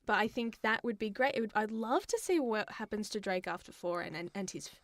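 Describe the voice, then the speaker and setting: A woman's voice: mid-range voice, expressive, fairly quick, no room sound. A woman chatting casually as a podcast co-host, informal and opinionated in the way she talks. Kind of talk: casual chat about games and films.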